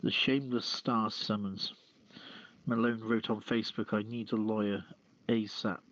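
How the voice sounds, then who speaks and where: Slow-talking man on a phone-like line. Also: fairly low pitch, dry recording. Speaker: podcast host. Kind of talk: reading news and show sign-off. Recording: phone-like lo-fi streamed voice channel.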